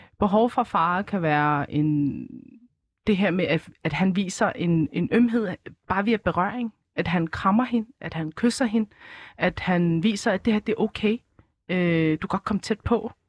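A woman's unremarkable speaking voice at medium pitch, fairly slow, with ordinary pitch variation, a dry, close sound with no echo and a quiet background. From Morocco, raised in Denmark from age 6. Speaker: painter and educator. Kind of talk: casual chat. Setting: studio.

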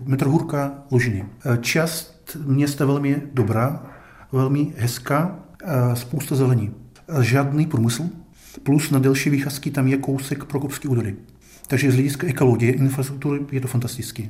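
In a Russian accent, a man speaks with a somewhat breathy, fairly high voice and fairly even intonation. Room echo is audible. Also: moderate pace. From former Soviet Union, Russian-speaking. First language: Russian (speaking Czech). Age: 50s. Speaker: immigrant resident. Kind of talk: interview.

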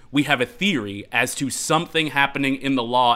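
Speaking at a fairly quick pace, a man has a bright, sharp tone and ordinary pitch variation. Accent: American. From Boston, Massachusetts. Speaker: TV field producer. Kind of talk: casual chat.

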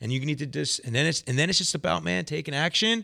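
A man with an American accent, very fast and bright, sharp, with very wide pitch swings and vocal fry, in a dry, close sound with no echo on a very clean recording with a silent background. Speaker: entrepreneur and social media influencer. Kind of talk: casual interview chat.

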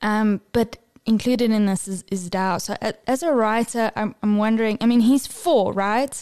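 Speaking at a moderate pace, a woman uses a plain, everyday voice with ordinary pitch variation. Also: fairly high pitch for a woman. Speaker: podcast host, book interviewer. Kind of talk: interview.

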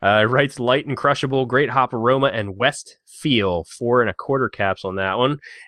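With an American accent and a normal speaking voice, a man talks at medium pitch with ordinary pitch variation. His pace is moderate, with hardly any pauses. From Tampa, Florida. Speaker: podcast host. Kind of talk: casual chat.

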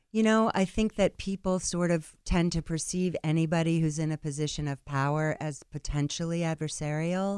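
At a moderate pace and with hardly any pauses, a woman speaks in a normal speaking voice with fairly low pitch and fairly even intonation over a quiet background. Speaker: casting director. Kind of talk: casual interview.

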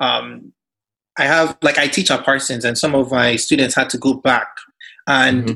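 Speaking at a moderate pace with long, frequent pauses, a man with a medium pitch and a bright, sharp tone shows vocal fry and fairly even intonation. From Nigeria. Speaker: fashion designer. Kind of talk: casual interview chat.

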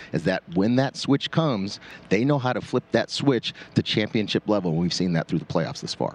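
A man speaks at a fairly quick pace with a fairly low pitch and lively intonation, in an unremarkable speaking voice. The sound is dry and close, with no echo. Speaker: professional gambler. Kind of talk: casual chat. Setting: live at a media event.

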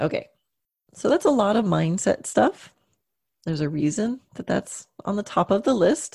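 This woman's voice has a dark, mellow tone, medium pitch and very wide pitch swings, with vocal fry. She speaks with long, frequent pauses. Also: moderate pace. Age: 50s. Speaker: horse riding instructor and podcast host. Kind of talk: solo podcast talk. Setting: studio. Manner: casual, frequent laughter.

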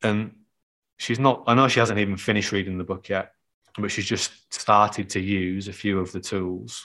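With a northern English accent, a man speaks at a fairly low pitch. His intonation is fairly even, and the background is quiet. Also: moderate pace. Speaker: psychologist and leadership coach. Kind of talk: interview. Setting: video call.

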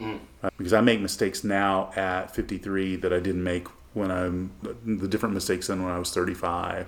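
A man speaks with a very deep, low pitch and monotone, flat intonation. Audible room echo surrounds his voice. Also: moderate pace. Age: 50s. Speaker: podcast co-host and pastor. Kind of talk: casual chat. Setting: in person at a church conference.

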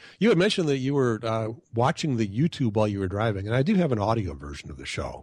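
Somewhat breathy speech from a man with an American accent, medium in pitch but with very wide pitch swings. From US Midwest, Chicago. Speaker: amateur radio video podcaster. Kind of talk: interview. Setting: remote call-in to live show.

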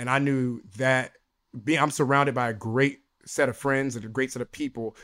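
With an American accent, the speaker delivers monotone, flat intonation at a moderate pace. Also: man, medium pitch for a man. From Houston, Texas (Third Ward). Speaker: producer, researcher and stand-up comic. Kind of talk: casual chat.

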